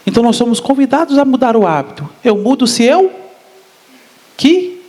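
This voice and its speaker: A man's voice: extremely high pitch, fast talker. A man giving a spiritist public lecture, often asking the audience questions. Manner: asks the audience questions, animated.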